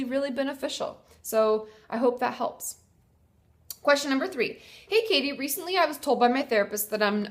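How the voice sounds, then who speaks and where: Stuffy-nosed young woman, kinda tired, chatty therapist explaining stuff, voice a bit on the high side. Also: fairly bright tone. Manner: friendly, explaining, reads out viewer questions. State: congested from a cold, tired. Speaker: therapist and video host. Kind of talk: casual advice talk to camera.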